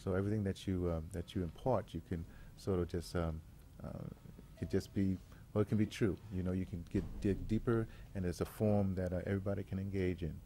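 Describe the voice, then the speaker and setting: Give this a man with a low, dark voice. He addresses a gathering informally as an artistic director, pausing often to find his words. There is faint ambient noise behind him. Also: steady tone. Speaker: radio theater artistic director, guest facilitator.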